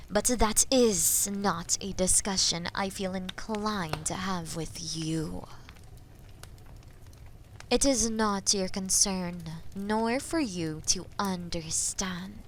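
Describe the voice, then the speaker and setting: A woman playing a haughty, menacing female dragon in an audio roleplay, imperious and mocking, with a breathy voice that often drops into whispers. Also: lowish voice, a little hiss or hum, poor audio. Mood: proud, stern. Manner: imperious, mocking, slow and deliberate. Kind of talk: scripted audio roleplay addressed to listener.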